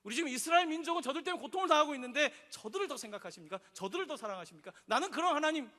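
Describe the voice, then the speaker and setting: Guy doing a sulky furious prophet, high bright voice, griping at god, echoey church. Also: animated, rapid-fire, exaggerated voice. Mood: resentful. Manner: aggrieved, protesting. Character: indignant male prophet complaining to God. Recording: long reverb in a church hall.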